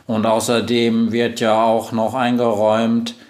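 A man voicing a cheeky, mischievous talking machine that speaks slowly and smugly. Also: mid-range voice, completely flat delivery, darkish tone, close to an everyday voice. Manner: slow, smug, teasing.

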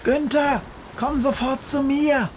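A man voicing a bold, commanding witch in a storybook reading, raising his voice into a higher register. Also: lively intonation, a little slow, very noisy. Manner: commanding, calls out over a storm. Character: bold old witch on a broomstick. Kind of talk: storybook voice acting.

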